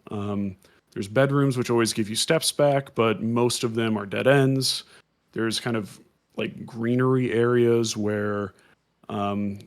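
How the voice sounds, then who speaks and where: A man co-hosting a podcast, explaining things casually at length with many "um"s and restarts. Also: lowish voice. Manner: rambling, explanatory, filler-heavy. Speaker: podcast co-host. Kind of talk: casual chat.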